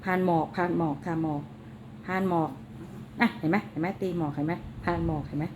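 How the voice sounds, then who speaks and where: A woman's voice: deep voice, fairly even intonation, fast talker, background noise. A woman filming her cats at home, chatting to them fondly and scolding them like children. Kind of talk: casual vlog narration. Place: home indoors.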